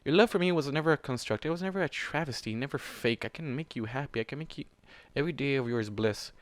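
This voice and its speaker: A man's voice: mid-range voice, fast, no echo, natural voice. Man acting as female changeling, seductive, cooing, sneering, selfish, storybook fantasy villain, dry sound. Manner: purring, cooing persuasion.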